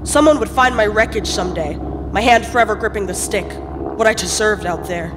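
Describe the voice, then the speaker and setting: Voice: mid-range voice, fairly quick, close to an everyday voice. Teenage actor as grave airship pilot, very noisy recording. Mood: somber, regretful. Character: grave, guilt-ridden airship officer and pilot recounting defeat. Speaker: student actor. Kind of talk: dramatic first-person radio play narration. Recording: very noisy live stage recording, loud effects.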